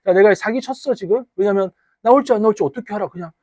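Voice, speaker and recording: A man from the Gyeongsang region teaching high school English in a classroom, chatty and teasing, bantering with his students. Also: fast talker, dark tone, dry recording. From Gyeongsang region, Korea. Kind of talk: casual classroom lecture. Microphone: wearable mic.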